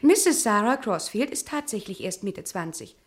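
An actress playing a formal, snobbish servant in a German radio crime play, with a haughty, ceremonious manner. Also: female voice, medium pitch, expressive, moderate pace, close to an everyday voice. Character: formal, snobbish female villa servant showing visitors around.

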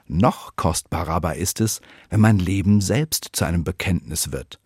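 A man from the church giving a scripted radio devotion with expressive, lively storytelling. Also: deep voice, moderate pace, breathy edge, no room sound, studio quality. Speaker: church speaker.

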